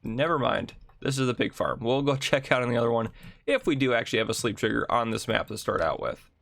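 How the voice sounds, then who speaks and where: Gravelly-voiced man giving a casual game tour. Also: mid-range voice, a bit bright, no room sound. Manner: chatty, thinks aloud with ums and quick asides. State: gravelly morning voice. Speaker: gaming channel host.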